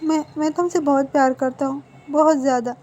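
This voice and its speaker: A woman's voice: sits high, fairly even intonation, brisk, darkish tone, highs cut off, lightly acted. A woman voicing an insistent young man who pleads urgently and desperately.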